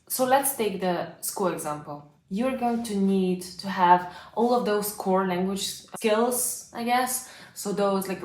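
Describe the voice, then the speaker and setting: Give me a chatty young woman whose first language is Bulgarian, coaching casually in an echoey room. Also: lowish voice. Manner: chatty, lots of fillers like "like" and "you know". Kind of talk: casual advice lesson to camera.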